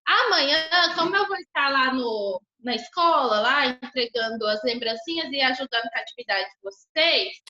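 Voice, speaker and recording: Woman teacher, high-pitched, online class from home, slightly dull, roomy sound. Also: pushed and bright. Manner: ends phrases with checking tags. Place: home room. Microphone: computer on video call.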